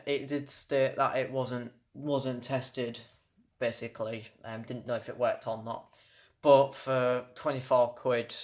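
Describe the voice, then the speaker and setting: A young man with a British accent giving a casual, unscripted video review of a collectible, halting and often stumbling over his words before correcting himself. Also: mid-range voice, fairly bright tone.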